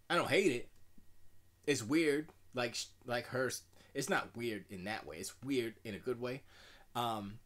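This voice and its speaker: Man, deep voice, middle-aged, loose self-deprecating chatter, home studio stream. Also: fairly bright tone. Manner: rambling, self-deprecating, with restarts and asides. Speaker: music producer streaming live. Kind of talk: casual live-stream chat.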